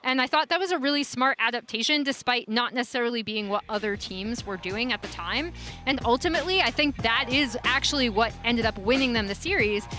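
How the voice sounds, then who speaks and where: A woman breaks down esports play as a desk analyst, her voice bright and a little high. She talks animatedly and slips into quoting players' thinking as she explains, with faint music under the desk. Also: fairly quick. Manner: animated, acts out players' thoughts.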